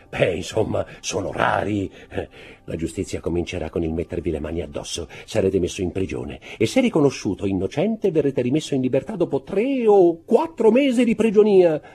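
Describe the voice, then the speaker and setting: A man voicing a shrewd, calculating male jeweller who speaks calmly and coolly in an audiobook. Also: mid-range voice, slightly rough, pitched above the performer's own voice. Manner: calm, cool, calculating, sometimes murmuring.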